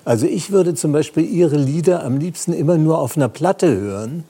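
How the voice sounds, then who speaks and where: Husky, mellow man searching for words. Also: on the high side, animated, normal speed. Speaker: talk show guest. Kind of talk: talk show conversation. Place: TV talk show studio.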